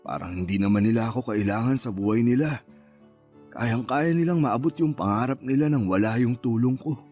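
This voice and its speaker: A man's voice: medium pitch, brisk, soft background music, close to an everyday voice. A man playing a remorseful ex-convict father. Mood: wistful. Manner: quiet, wistful, sighing. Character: remorseful ex-convict father, middle-aged, longing. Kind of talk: Tagalog radio drama acting, in-character narration.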